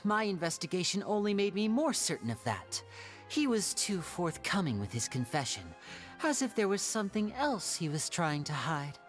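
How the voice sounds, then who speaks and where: A woman playing a shrewd young magician in a video game, telling stories in a theatrical, measured, wry way. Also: on the low side. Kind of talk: video game voice acting, dramatic storytelling.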